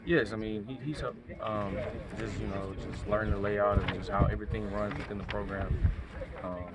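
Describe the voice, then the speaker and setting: A young man, a college quarterback, answering reporters outdoors in a soft-spoken way with many ums. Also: on the low side, steady tone, normal speed, over a noisy crowd. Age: young adult. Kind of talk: outdoor media interview. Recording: loud background noise outdoors.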